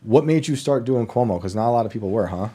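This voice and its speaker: A man's voice: lowish voice, expressive, fast, mellow, breathy edge. A man hosting a podcast interview, wry and joking, laughing often. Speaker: podcast host. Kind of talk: casual interview chat.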